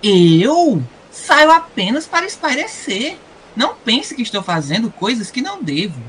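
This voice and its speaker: A woman's voice: fairly high pitch, big pitch swings, a little slow, slight background noise. A Brazilian woman playing a cheeky, evasive teenage son in an audio drama, with exaggerated innocence. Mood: defensive.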